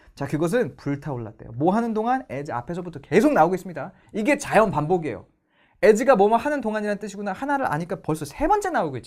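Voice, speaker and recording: Very fast, animated speech from a man at a high pitch, with very wide pitch swings, in a very clean recording with a silent background. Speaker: English teacher. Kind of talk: lecture.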